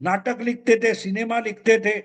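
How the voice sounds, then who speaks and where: Older male commentator, very high voice, emphatic and repetitive solo monologue. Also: level tone, normal speed. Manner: emphatic, repeats points. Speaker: political commentator.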